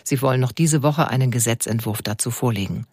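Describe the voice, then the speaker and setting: A man reading a radio news bulletin in a measured, formal way. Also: mid-range voice, darkish tone, dry recording, studio quality. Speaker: newsreader.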